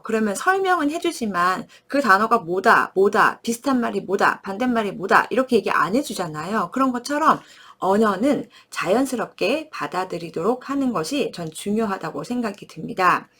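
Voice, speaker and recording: A woman's voice: mid-range voice, moderate pace. A woman in her thirties giving a friendly parenting lesson, acting out words with gestures and sounds and often asking her listeners "right?". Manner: animated, acts out words with lively gestures and sounds. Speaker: early-childhood education presenter.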